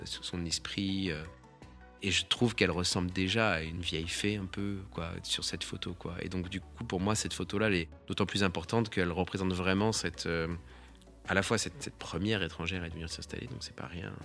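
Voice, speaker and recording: A man, a photographer, giving a reflective and halting spoken account of one of his photographs, restarting his sentences often. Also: low voice, vocal fry, fairly bright tone. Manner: halting, with many restarts and pauses.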